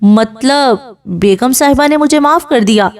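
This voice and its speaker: A woman's voice: high-pitched, recorded from a distance, lightly acted. A woman voicing a playful young husband who teases and coaxes his bride. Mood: teasing. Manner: teasing, coaxing.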